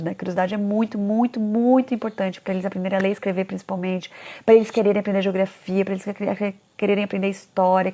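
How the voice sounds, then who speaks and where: A woman talking casually to parents about children, animated, often acting out parents' complaints in a higher voice. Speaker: parenting educator.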